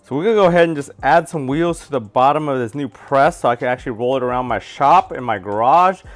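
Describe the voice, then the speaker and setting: A man in his thirties giving a relaxed, step-by-step how-to walkthrough of a tool project in his home garage. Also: mid-range voice, fast, soft background music. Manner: relaxed, practical, explains step by step. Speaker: DIY garage tool reviewer. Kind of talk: casual how-to narration.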